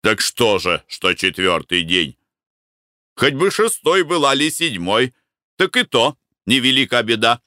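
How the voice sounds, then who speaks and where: A man's voice: mid-range voice, sing-song, no echo, studio quality. A man doing a stern, scolding merchant. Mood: dismissive. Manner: curt, scolding, shouts slowly and heavily. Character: stern, irritable rich merchant barge owner, male.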